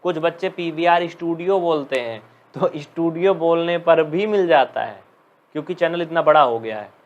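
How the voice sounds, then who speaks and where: Higher-pitched man teaching math, scolding. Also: normal speed, muffled recording. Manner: scolding, teasing students, reading out commenters' names. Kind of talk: live online class lesson.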